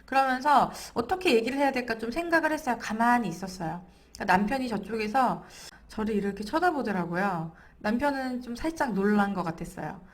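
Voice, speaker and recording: A woman in her thirties, a parenting coach, explaining calmly and gently to camera and sometimes acting out what was said. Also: fairly high pitch, a little fast. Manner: gentle, explanatory, acts out quoted lines. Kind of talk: to-camera parenting lesson with personal anecdote.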